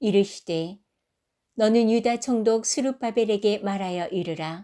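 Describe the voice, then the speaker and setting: On a very clean recording with a silent background, a woman with a dark, mellow tone speaks at a fairly slow pace with ordinary pitch variation. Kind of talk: scripture reading in church.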